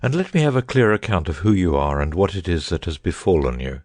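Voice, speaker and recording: A man voicing a calm, shrewd detective who speaks in measured, soothing tones. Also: low voice, dry recording, voice pushed down. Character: calm, shrewd male detective, middle-aged.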